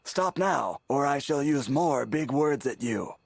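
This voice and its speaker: A man's voice: medium pitch, animated, unhurried, gravelly, husky, no room sound, exaggerated voice. An actor voicing a pompous cartoon hero who declaims his lines grandly. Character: pompous male cartoon hero in a home play. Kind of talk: cartoon voice acting.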